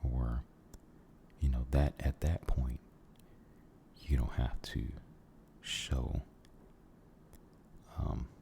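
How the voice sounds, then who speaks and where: Very slow, whispering deep-voiced man. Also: little pitch movement, vocal fry, slight background noise. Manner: halting, gentle, repeats phrases. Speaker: ASMR video creator. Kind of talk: soft-spoken ASMR ramble, mostly whispered.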